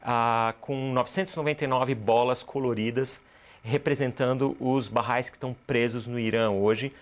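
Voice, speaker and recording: Interview guest: Brazilian man, mid-pitched, didactic explainer who asks and answers his own questions. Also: fairly even intonation, normal speed. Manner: didactic, poses rhetorical questions and answers them. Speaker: interview guest, cultural producer and activist.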